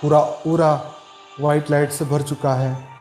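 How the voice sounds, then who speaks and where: A man speaking as a meditation guide, calm and soothing, giving slow, repetitive instructions with long pauses in Hindi. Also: on the high side. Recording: roomy echo with background music. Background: meditation music.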